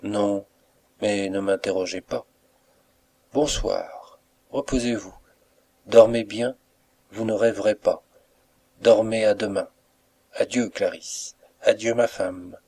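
A man reading an audiobook, voicing a mysterious young suitor who speaks gently and respectfully, with soft reproach. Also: fairly low pitch, fairly even intonation, slow, long pauses, breathy edge, heavily acted. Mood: tender.

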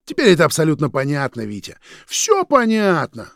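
A man voicing a hot-tempered young man who shouts in a strained, raised voice, in an audiobook. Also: on the high side, expressive, unhurried, no echo, studio quality, voice pushed up. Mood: bitter. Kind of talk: audiobook character voice.

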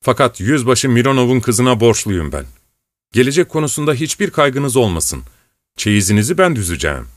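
A man voicing a calm, gracious noblewoman in an audiobook reading, speaking in a measured way. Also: mid-range voice, no room sound, natural voice. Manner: measured, composed.

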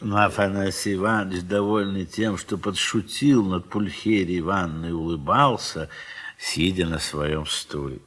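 An actor as a reflective, affectionate literary narrator in an audio drama. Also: male voice, sits low, fairly even intonation, normal speed, fairly bright tone. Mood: fond, reflective. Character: reflective, affectionate male literary narrator recalling old friends.

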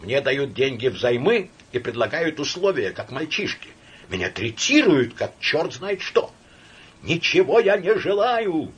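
A man voicing a young male official who is hysterical and indignant, in shrill shouting outbursts. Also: very animated, moderate pace, creaky, husky, full character voice.

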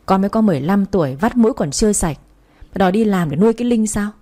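A woman's voice: medium pitch, lively intonation, quick pace, warm tone, lightly acted. A woman voicing a short-tempered mother who scolds her daughter and turns timid before her husband. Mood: scolding. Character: harsh, short-tempered mother of two girls.

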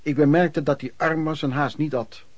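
An actor playing a hardworking itinerant peddler, looking back on his life in colloquial, reflective radio drama narration with a husky voice. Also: on the high side, steady tone, normal speed, darkish tone, close to an everyday voice. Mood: matter-of-fact.

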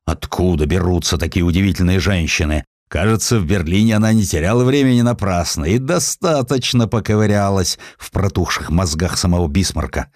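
Man acting a deep-voiced, blunt imperial magnate. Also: fairly quick, few pauses, a little mellow, dry recording, studio quality, lightly acted. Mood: confiding, impressed. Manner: gloomy, blunt, grandiose. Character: gruff, arrogant middle-aged male British imperial magnate.

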